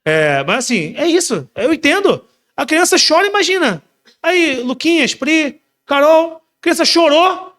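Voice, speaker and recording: A man preaching a sermon, repeating his points emphatically and swinging between soft and loud. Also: extremely high pitch, sing-song, measured pace. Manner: repetitive exhortations. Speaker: pastor.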